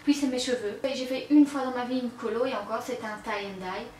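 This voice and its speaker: A woman's voice: on the high side, steady tone, a little fast, darkish tone. A young woman vlogging from home, seated and chatting candidly to camera, hesitating often and repeating words. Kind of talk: casual confiding chat to camera. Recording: roomy, distant mic with faint room noise.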